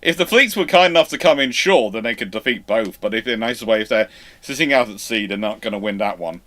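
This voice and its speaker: A man hosting a live question-and-answer session, answering off the cuff in a halting way, often restarting his sentences as he thinks aloud. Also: on the low side, animated, sharp tone. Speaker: host of naval history live Q&A.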